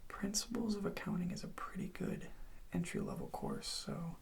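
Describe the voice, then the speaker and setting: An ASMR performer whispering gently and without hurry, reassuring the listener in the role of a college advisor, with a breathy, creaky voice. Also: mid-range voice, wildly swooping pitch, moderate pace.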